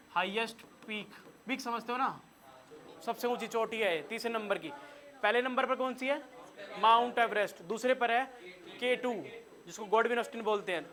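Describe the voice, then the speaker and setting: A man with a Hindi accent teaching a room of students, his voice high and bright as he quizzes them on facts. He keeps firing questions and telling the class what to note down. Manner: quizzes students and has them take notes. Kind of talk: classroom lecture.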